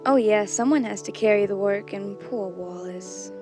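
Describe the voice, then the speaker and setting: A woman's voice: mid-range voice, moderate pace, music in the background, lightly acted. An actress playing a worried, resigned wife of an injured man in a 1930s radio drama.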